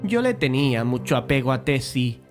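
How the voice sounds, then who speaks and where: A man playing a painter who narrates a dramatized horror tale in a measured, literary way, curious and uneasy. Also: mid-range voice, very animated, soft background music, natural voice. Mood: calm, reflective. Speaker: narrator and lead character.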